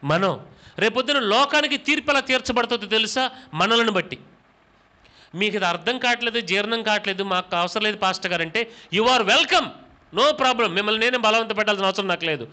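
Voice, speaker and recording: A man's voice: high-pitched, lively intonation, brisk, pushed and bright. A man preaching a church sermon as pastor, calling out questions to the congregation and repeating words for emphasis.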